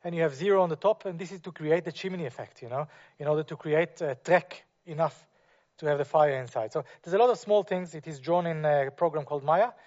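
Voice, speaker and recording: Giving a talk on his architectural work, a man with a slightly high, darkish-toned voice speaks English as a non-native speaker. He hesitates often, leaning on fillers and restarting sentences, and the sound is muffled like a lo-fi lecture recording.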